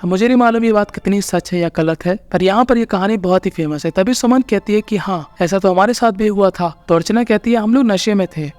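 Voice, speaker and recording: A man's voice: high voice, brisk, few pauses, darkish tone, dry recording, faint music behind. A man narrating a horror movie recap in a casual, chatty way with jokey asides.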